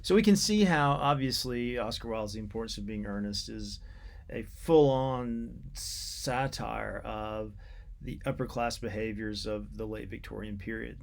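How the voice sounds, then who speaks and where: A man giving an unscripted academic literature lecture in a halting, deliberate way, repeating words as he explains. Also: on the low side, creaky.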